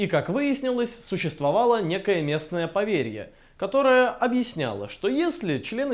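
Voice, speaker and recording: The pitch of this man's voice swings very widely. He talks at a moderate pace. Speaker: history video host. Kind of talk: scripted narration.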